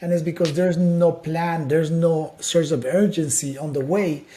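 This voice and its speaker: A man's fairly high, dark and mellow voice with a Spanish accent, at a fairly quick pace. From Ecuador. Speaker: entrepreneur. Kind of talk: interview.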